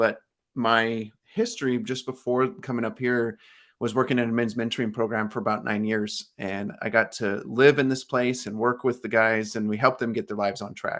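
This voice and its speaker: On a very clean recording with a silent background, a man with an American accent and a medium pitch speaks at a moderate pace in a monotone, flat intonation. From California, Central Valley. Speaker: business coach. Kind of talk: interview.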